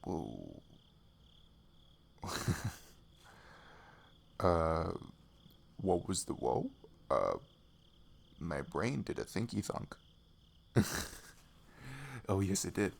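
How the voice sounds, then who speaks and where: Male actor as nervous young guy, sweet best friend, low creaky voice, breathy, halting, intimate ASMR roleplay. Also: huge pitch swings, exaggerated voice. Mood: awkward, playful. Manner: hesitant, halting, slipping into whispers.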